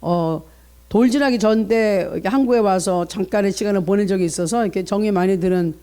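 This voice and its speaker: Man, middle-aged, pastor, high voice, earnest preaching, early-morning sermon. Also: a little fast, warm tone. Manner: earnest preaching, reads scripture aloud, acts out parents' inner voices.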